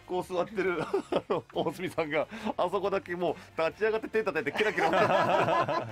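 A man hosting a casual studio radio chat, eager and effusive, quick to interject. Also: high-pitched, over loud music. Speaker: radio show host. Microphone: studio boom microphones, masked speakers.

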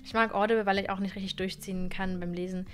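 A woman in her twenties streaming from her gaming room into a boom-arm studio mic, chatting casually and animatedly with viewers, often stumbling and repeating words. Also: steady tone, quick pace, fairly bright tone, faint music behind. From Germany. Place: gaming room with colored wall lights.

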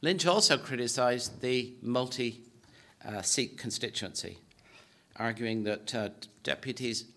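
A man in his sixties with an Irish accent, giving a formal lecture at a podium in a conference hall, measured and hesitant with many fillers. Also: mid-range voice, pushed and bright. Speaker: political science professor giving a presentation. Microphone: podium microphone.

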